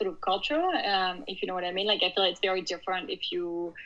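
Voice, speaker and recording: A woman is speaking. She has a French accent. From France. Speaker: author. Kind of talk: interview. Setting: podcast.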